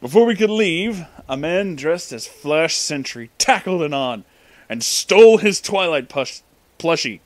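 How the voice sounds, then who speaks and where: A man's voice: fairly high pitch, animated, a little slow, dry recording. A man hosting a casual comic read-aloud, informal and amused, with asides to the listener. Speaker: reader and host of a story-reading show.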